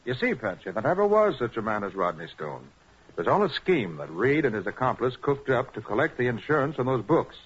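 An actor playing a quick-witted, commanding American private detective in a 1940s radio crime drama, brisk and self-assured. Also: male voice, medium pitch, very animated, husky. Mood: explaining. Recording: muffled, dull vintage 1940s radio recording.

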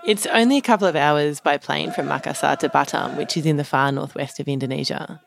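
A woman reporter narrating a documentary podcast in a calm first-person storytelling manner. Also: sits low, fairly quick, vocal fry, a faint crowd. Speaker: reporter and co-host.

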